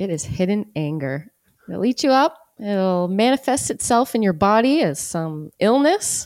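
A woman with a Canadian accent talks at a fairly slow pace. Her pitch swings very widely. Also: medium pitch for a woman. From Hamilton, Ontario, Canada. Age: 40s. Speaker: relationship coach. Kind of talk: interview.

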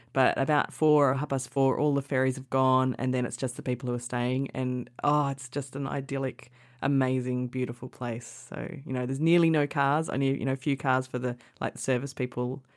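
Monotone, flat delivery in an Australian accent at a fairly quick pace, with hardly any pauses. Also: woman, very deep, low pitch for a woman. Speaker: travel blogger and podcaster. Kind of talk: casual chat. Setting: remote recording.

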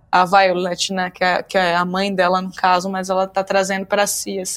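The voice is a woman's. It falls at a medium pitch. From Bahia, Brazil (Salvador). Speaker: journalist and scriptwriter. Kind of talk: book club discussion.

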